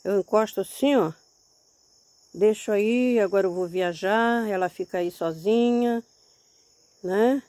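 A folksy, chatty grandmother in her seventies talks casually while tending plants outdoors in a hillside garden, repeatedly saying "look here" and letting out religious exclamations. Her medium-pitched voice is warm, and the sound is dry with no echo.

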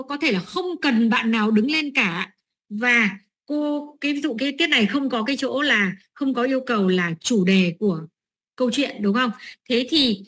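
A woman's voice: on the high side, fairly bright tone. A middle-aged woman training teachers, explaining lesson steps with many fillers and "right?" checks.

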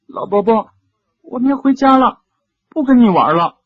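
A man voicing a timid, tender-hearted little girl who speaks softly and hesitantly. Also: very high-pitched, expressive, moderate pace, no echo, highs cut off, voice pushed up. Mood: gentle.

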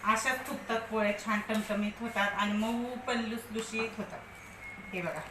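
A woman's voice: a little high, fairly even intonation, normal speed, echoey room, noisy background. A woman, talking viewers through home cooking in a chatty, step-by-step way. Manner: scolding and coaxing a pet dog. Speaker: vlogger.

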